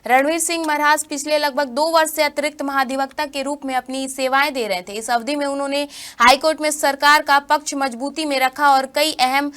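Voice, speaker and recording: A woman news anchor reading a regional bulletin in a formal, steady manner. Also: high voice, fairly quick. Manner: formal, steady headline delivery.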